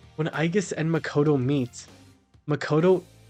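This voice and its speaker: Music plays in the background. Over it, a man talks at a fairly slow pace with ordinary pitch variation. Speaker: video essayist. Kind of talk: video essay narration.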